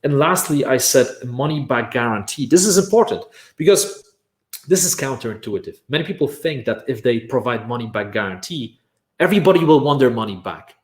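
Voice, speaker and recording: At a medium pitch and a brisk clip, a man from Poland, Polish being his first language, teaches an energetic online workshop on building courses. He keeps asking "right?" and repeats "bam" for emphasis, with roomy acoustics around him.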